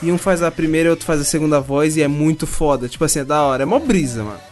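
A man chats on a casual podcast in a laid-back, slang-heavy way. He slips mock English phrases into his stories. His voice is high, and faint music plays behind him. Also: very fast, darkish tone. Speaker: podcast co-host.

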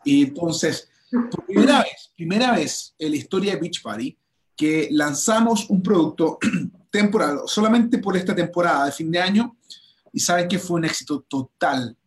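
A man's voice: on the high side, animated, normal speed. A man hosting an enthusiastic promotional interview, talking with frequent restarts and repeated words. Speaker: host. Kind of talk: livestream interview chat.

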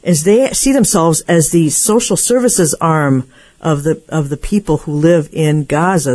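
A woman's voice: sits low, warm tone, no room sound. A woman hosting a radio interview, asking questions and reading news items. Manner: inquisitive, reads news items. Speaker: radio show host.

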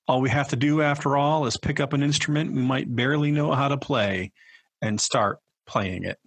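Host: male pastor, husky mid-pitched voice, dry close sound, earnest and measured delivery. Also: a bit bright, no echo. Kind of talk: podcast hosting and reflection.

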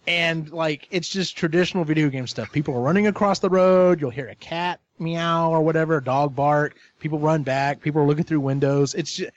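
A man in casual podcast chat who retells a story in an animated way and swears freely. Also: fairly high pitch, fairly quick, hardly any pauses, no room sound. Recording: dull lo-fi recording.

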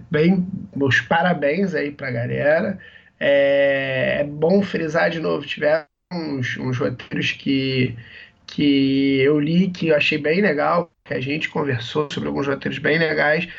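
A man, hoarse from a cold, co-hosting a podcast in casual, rambling chat with many restarts. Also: fairly high pitch, slow, muffled recording. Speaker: podcast co-host.

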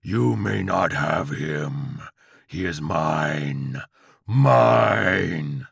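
Demonic little dog, menacing storybook beast: low growl, drawn-out words, gravelly edge. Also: male voice, expressive, fairly bright tone, dry recording, clean studio sound, exaggerated voice. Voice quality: deep growl. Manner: slow, drawn-out, commanding delivery.

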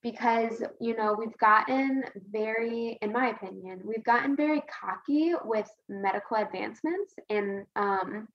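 A woman's voice: fairly high pitch, measured pace, few pauses, dull audio. A woman podcast guest talking casually and earnestly, rambling a little and repeating points for emphasis. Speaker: podcast guest, women's health advocate. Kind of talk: casual conversational interview answer.

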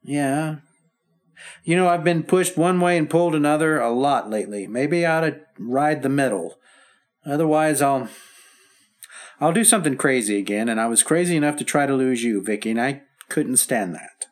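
An actor playing a weary husband recovering from illness, speaking earnestly and tenderly in an old-time radio drama. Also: male voice, mid-range voice, moderate pace, close to an everyday voice.

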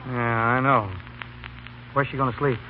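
An actor playing an earnest young American law student, halting and slangy, in a 1930s radio comedy broadcast. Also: male voice, medium pitch, little pitch movement, dull audio, a little hiss or hum, natural voice. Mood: bustling. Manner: halting, with casual collegiate slang. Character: earnest, boyish male law student helping a girl.

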